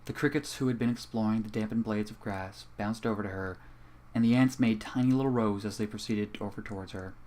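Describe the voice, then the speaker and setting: A young man reading a fan story aloud in a calm, even way at a home microphone. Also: lowish voice, fairly quick. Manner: casual and profane in the intro, then calm and even while reading. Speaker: fanfiction reader. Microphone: home computer microphone.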